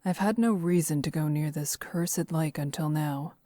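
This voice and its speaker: A woman playing a serious, dutiful young swordswoman in a dark fantasy visual novel, speaking formally and with reserve. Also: deep voice, normal speed, no room sound, natural voice. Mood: guarded.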